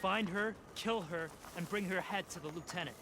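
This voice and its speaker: A man's voice: high voice, moderate pace, music in the background. A man playing a hostile, zealous tribal soldier in a video game, calling out commands. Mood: stern, alarmed. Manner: commanding battle calls. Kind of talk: video game combat acting.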